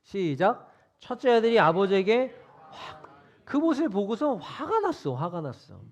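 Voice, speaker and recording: A male youth pastor preaching in a church sanctuary. He keeps it casual and interactive, tossing questions to the teens. His voice sits high and moves around a lot. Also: very animated, unhurried, lo-fi sound. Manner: conversational, quizzing listeners.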